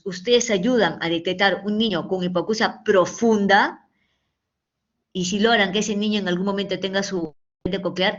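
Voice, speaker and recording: A woman giving a medical lecture to students, explaining patiently and often checking in with short questions. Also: medium pitch. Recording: dull lo-fi recording.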